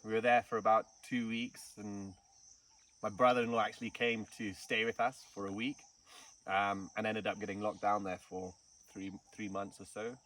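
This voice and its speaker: Male guest from Kenya, relaxed storyteller, interview recorded at a distance outdoors. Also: lowish voice, normal speed. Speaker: snake farm curator. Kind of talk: casual interview. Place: outdoors in the bush. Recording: distant mic with faint insect noise.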